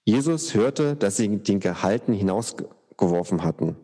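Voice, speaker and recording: A man reading scripture aloud in a steady way, now and then correcting himself. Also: fairly low pitch, moderate pace, breathy edge, long reverb tail. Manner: steady, with small self-corrections. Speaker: reader.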